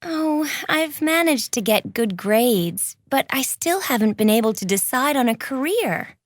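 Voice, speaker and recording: A woman's voice: high-pitched, animated, measured pace, no echo, studio quality. A woman playing a twenty-one-year-old woman who speaks thoughtfully and a little anxiously in a scripted textbook dialogue. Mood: reflective. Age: young adult. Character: 21-year-old woman, unsure about her career.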